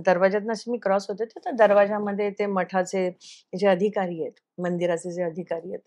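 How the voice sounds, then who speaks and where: An earnest woman recounts a personal story for an interviewer, her voice sitting at a middle pitch. She acts out the lines other people spoke to her and slips English phrases into her speech. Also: warm tone. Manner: earnest, recounts events by acting out quoted dialogue. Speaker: television actress, interview guest.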